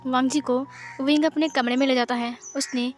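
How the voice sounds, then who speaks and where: Woman telling a fanfic story, high voice, faint music behind. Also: fairly even intonation, moderate pace. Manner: plain, conversational narration. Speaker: fan fiction narrator. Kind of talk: storytelling narration.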